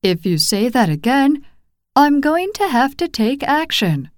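A woman reading example phrases for English learners, slow and clearly enunciated. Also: high voice, very animated, dry recording, clean studio sound. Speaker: phrase reader.

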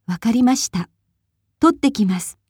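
A woman's voice: a little high, expressive, normal speed, a little mellow, breathy edge, dry recording, clean studio sound, pitched above the performer's own voice. A woman voicing a strong-willed young village mother in a storybook, speaking plainly and with determination. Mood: determined.

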